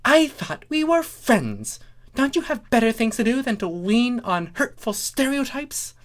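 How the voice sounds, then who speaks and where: An offended lady pony acted by a woman, pitched very high. She is huffy and reproachful, with lively swoops fit for a cartoon tale. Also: measured pace.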